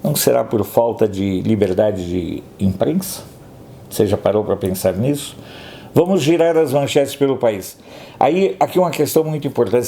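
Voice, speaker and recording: A man with a Brazilian accent runs through the day's headlines like a commentator, breaking off for sarcastic remarks of his own. His voice is mellow and dark. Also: mid-range voice. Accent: Brazilian Portuguese. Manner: sarcastic asides between headlines. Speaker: news commentator. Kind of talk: opinionated headline review.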